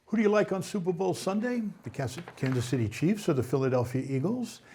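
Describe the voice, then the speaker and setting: A male news anchor with a soft, dark voice at an ordinary pitch. He presents local items in a newsreading style, now and then halting over a phrase. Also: sing-song, a little hiss or hum.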